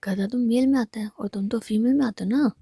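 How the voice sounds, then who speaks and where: A woman's voice: fairly high pitch, fairly quick, vocal fry, warm tone, slightly rough, dry recording, studio quality. Ruhi, a sulky, teasing young woman, whispered by a woman. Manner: whispered, scolding.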